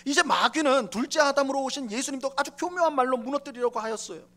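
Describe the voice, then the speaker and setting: A male pastor delivering a Sunday sermon in a church, his voice sitting quite high for a man. He explains things conversationally, swelling to emphatic lines and then dropping to near-quiet asides. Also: quick pace. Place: church sanctuary.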